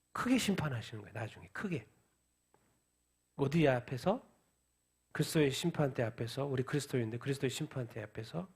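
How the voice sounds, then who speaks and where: A man's voice: a little high, a little mellow, breathy edge. A man preaching a midweek sermon who asks questions and answers them himself. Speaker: pastor. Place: church.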